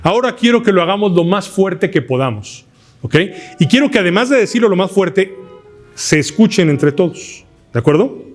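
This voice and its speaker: A man with a Mexican Spanish accent teaching an oratory workshop in a lecture hall, asking the class questions and shouting words to show his technique. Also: high voice, moderate pace, soft background music. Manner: lively, asks the class questions, shouts demonstrations. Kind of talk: live workshop lecture to a room. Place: lecture hall with fabric ceiling.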